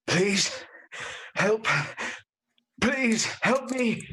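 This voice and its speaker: A man's voice: high voice, very slow, pushed and bright, husky, full character voice. A man playing a terrified, exhausted young fugitive, pleading desperately in a live radio play.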